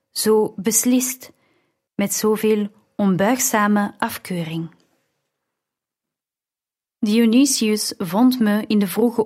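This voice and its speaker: A woman narrating a story in the first person, reading in a measured, reflective way. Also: mid-range voice, darkish tone. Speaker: audiobook narrator.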